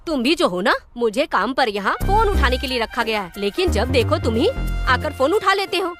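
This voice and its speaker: Woman doing a complaining receptionist, high lively voice, loud music. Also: moderate pace. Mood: sulky. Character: sulky young female office receptionist. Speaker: office phone operator. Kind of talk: Hindi-dubbed film dialogue. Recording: film soundtrack with loud music.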